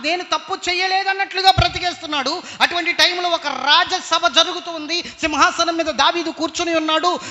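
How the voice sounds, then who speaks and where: A man's voice: very high voice, pushed and bright. A man preaching a sermon as a pastor, emphatic and fond of repeated rhetorical questions. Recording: long hall reverb, dull lo-fi sound.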